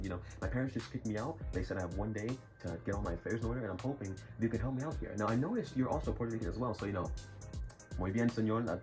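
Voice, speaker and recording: A young man telling a rambling school story in a casual vlog, full of jokey, self-mocking asides. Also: on the low side. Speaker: YouTuber. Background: music.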